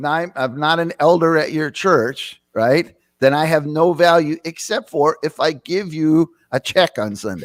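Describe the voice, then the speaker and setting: A man with a plain, everyday voice at a fairly high pitch and ordinary pitch variation, fairly slow, in a very clean, silent recording with a dry, close sound and no echo. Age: 60s. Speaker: author and former pastor. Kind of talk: casual chat.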